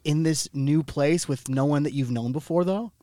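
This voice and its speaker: A man's voice: fairly high pitch, normal speed, warm tone, no room sound. A man hosting a podcast, asking rambling questions in a casual chat and laughing easily. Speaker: podcast host.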